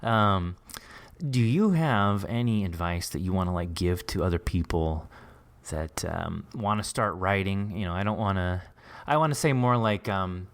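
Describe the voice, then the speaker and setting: A man's voice: sits low, normal speed. A man hosting an informal interview, talking in an encouraging, effusive and reflective way. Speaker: podcast host and interviewer. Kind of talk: casual, reflective interview chat.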